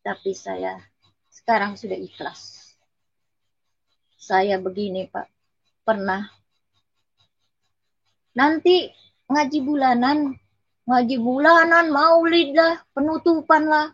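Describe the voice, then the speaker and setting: A woman's voice: high-pitched, flat delivery, slow pace, creaky, long pauses, fairly bright tone, no echo, highs cut off. A woman with a Betawi accent gives an earnest, emotional personal testimony and respectfully addresses her listener as sir. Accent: Betawi Indonesian. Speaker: testimony giver.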